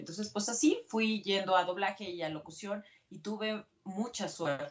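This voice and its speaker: Using an unremarkable speaking voice, a woman talks at a moderate pace with ordinary pitch variation and big swings in loudness. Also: medium pitch for a woman. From Mexico. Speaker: voice actress. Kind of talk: interview.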